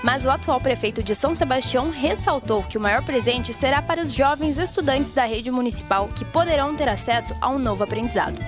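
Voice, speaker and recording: A woman reporter narrating a news segment in a measured, formal delivery. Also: high-pitched, music in the background.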